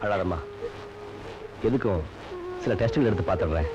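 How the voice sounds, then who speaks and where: An actor playing a male doctor who gently coaxes and reassures a frightened patient. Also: sits low, expressive, normal speed, lo-fi sound, noisy background. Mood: coaxing. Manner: coaxing, reassuring.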